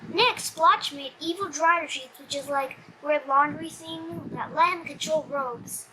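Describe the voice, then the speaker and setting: A child reading a comic storybook aloud in an animated, slightly stumbling way. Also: high-pitched, measured pace, slight background noise, rough recording.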